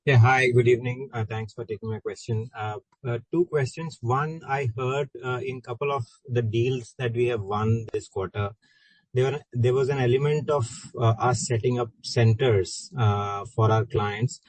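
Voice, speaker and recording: A man with an Indian accent and a mid-pitched voice poses questions as an analyst. He is hesitant and repeats himself as he goes. The sound is very dry, with no room to it. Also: fairly even intonation, dry recording, poor audio. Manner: hesitant, halting, repeats words. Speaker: analyst asking questions on earnings call. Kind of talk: spontaneous questioning.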